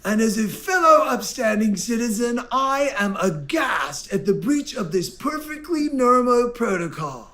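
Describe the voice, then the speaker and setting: An actor playing a pompous, blustering wasteland raider who talks in a mock-formal way. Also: male voice, very high voice, big pitch swings, measured pace, hardly any pauses, sharp tone, heavily acted. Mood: huffy.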